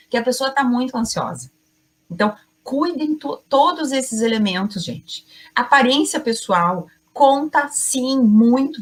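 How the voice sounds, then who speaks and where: Emphatic woman coaching her class. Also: fairly high pitch. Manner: emphatic, addresses the audience directly and often; deliberate pauses between short phrases. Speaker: communication coach. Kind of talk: online class lecture.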